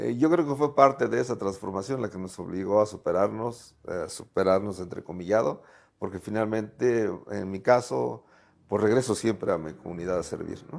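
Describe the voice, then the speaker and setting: A man with a fairly low pitch and vocal fry talks at a moderate pace with big swings in loudness, on a very clean recording with a silent background. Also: lively intonation. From Mexico, Sierra region of Oaxaca. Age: 60s. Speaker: lawyer. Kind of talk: interview. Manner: halting, with many fillers.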